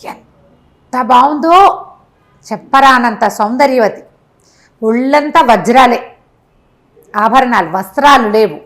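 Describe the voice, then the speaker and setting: Female storyteller, highish pitch. Expressive, conversational delivery of moral tales, emphatic repetition, acted-out dialogue. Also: takes it slowly, pauses often. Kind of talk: animated oral storytelling of a moral tale, conversational.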